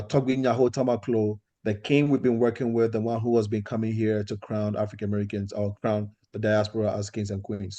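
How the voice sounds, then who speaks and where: A man's voice: on the low side, a little mellow. A man hosting an organization meeting, speaking earnestly and often restarting his sentences. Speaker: host of the meeting.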